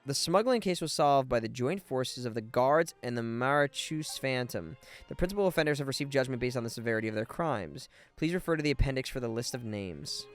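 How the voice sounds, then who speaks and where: A man's voice: medium pitch, animated, a little fast, hardly any pauses. A man live streaming a video game, chatty and informal, sometimes stumbling as he reads aloud, with game music behind.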